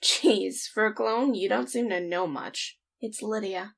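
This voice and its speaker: A woman's voice: mid-range voice, a little slow, vocal fry. A woman playing a tired, flippant young reluctant hero in an audio drama, offhand and sarcastic. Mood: offhand, impatient.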